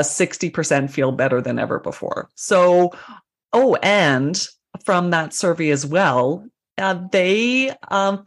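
A low-pitched woman in her forties co-hosts a casual health podcast, speaking informally and frequently circling back over what she's said.

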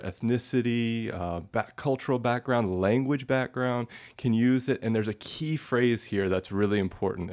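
Speaking in a mid-range, somewhat dark voice, this guest researcher, a man whose first language is English, walks through ideas patiently in an interview. He uses plain everyday examples and frequently asks "right?".

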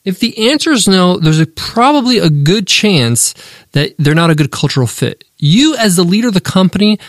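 A man hosting a business podcast, giving emphatic, animated advice and listing his points one by one. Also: high voice, normal speed, no room sound, studio quality. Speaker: podcast host.

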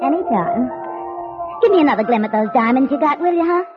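A flirty gangster's moll dancer. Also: female voice, high voice, animated, fast. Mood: coaxing. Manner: coaxing, breathy gangster's moll. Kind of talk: 1940s radio acting. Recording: dull old radio recording with music.

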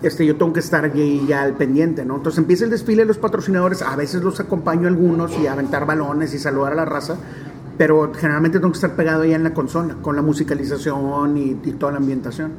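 A man in his forties from Monterrey with a northern Mexican accent, telling stories in an interview in a chatty, animated way with many fillers. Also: fairly high pitch, fast, background noise. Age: 40s. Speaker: stadium DJ and announcer. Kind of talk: relaxed storytelling interview.

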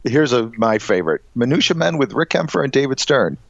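A man's voice: mid-range voice, sing-song, a little fast, creaky, dry recording. A man with a nasal Chicago accent, co-hosting a podcast in playful, laughing banter. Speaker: podcast co-host. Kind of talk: casual chat. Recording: slightly dull, lo-fi sound.

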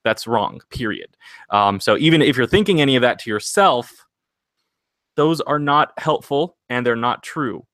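A man's voice: medium pitch, expressive, normal speed, a bit bright, dry recording, clean studio sound. Earnest rambling man on a podcast. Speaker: singing podcast host and vocal coach. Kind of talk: casual podcast chat.

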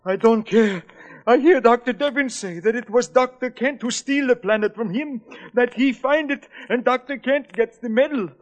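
An actor playing a shifty foreign handyman turned blackmailer, speaking halting broken English, in 1940s radio acting on an old radio show recording. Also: very high-pitched. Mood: frightened. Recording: dull old broadcast with long reverb.

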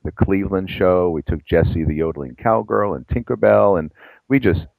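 A man's voice: deep voice, normal speed, vocal fry, a little mellow, no room sound, rough recording. A middle-aged man, a psychologist and professor, answering interview questions in a discursive, self-deprecating way with many restarts.

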